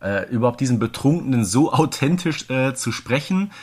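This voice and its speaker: A man's voice: medium pitch, expressive, normal speed, darkish tone, husky. A man co-hosting a podcast, chatting casually and giving his opinions on an audio drama series. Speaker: podcast co-host.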